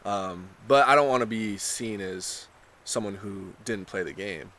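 A young man talking in a relaxed surfer way, full of "you know" and "like", in a casual interview. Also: lowish voice, measured pace. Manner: laid-back surfer talk, lots of "you know" and "like". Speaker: contestant being interviewed.

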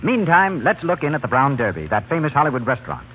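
A man's voice: medium pitch, big pitch swings, fast talker, narrow, tinny audio, a little hiss or hum. A man working as a radio announcer, reading a polished 1930s-style scripted broadcast introduction.

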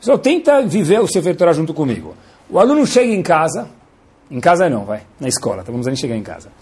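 A rabbi teaches a Torah lesson with playful theatrics. His voice is somewhat high and husky, and his pitch leaps around animatedly. He slips Hebrew terms into his talk as he goes. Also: sing-song, quick pace, a little mellow.

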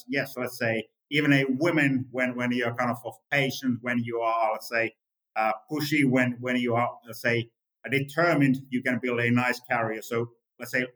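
A man in his fifties with a Finnish accent, a native Finnish speaker answering interview questions in English, halting and full of restarts and repeated "let's say" fillers. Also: medium pitch, fairly bright tone, rough recording. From Finland. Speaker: guest founder.

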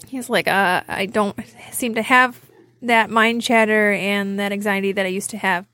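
A woman co-hosting a podcast, telling a personal story in an animated, chatty way. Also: mid-range voice, normal speed, no echo. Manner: animated storyteller, laughs often. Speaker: podcast co-host. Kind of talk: casual storytelling chat.

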